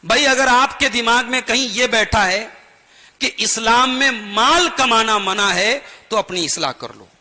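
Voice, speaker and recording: High, bright-voiced man preaching in a hall. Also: unhurried. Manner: earnest, pleading and admonishing; rhythmic rising emphasis with sing-song repetition. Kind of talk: sermon to a gathering. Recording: long hall reverb.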